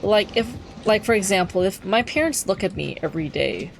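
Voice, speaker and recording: A man's voice: sits high, lively intonation, a little fast, vocal fry, a little hiss or hum. A young trans man streaming a game from home, chatting casually with lots of fillers and wry asides. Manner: rambling, many fillers, wry. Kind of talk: casual gameplay chat.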